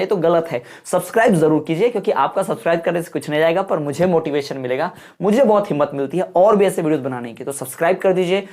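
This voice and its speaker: A man's voice: high voice, darkish tone. Male teacher, exam-prep lecture; folksy, repetitive, keeps checking that the class follows. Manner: repetitive explaining with frequent rhetorical checks; folksy, addresses viewers as brother.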